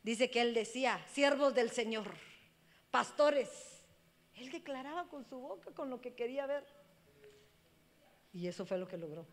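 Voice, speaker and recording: Impassioned high-voiced woman pastor preaching. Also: animated, moderate pace, pauses often. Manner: impassioned, swings from loud cries to hushed speech. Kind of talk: sermon. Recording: long hall reverb.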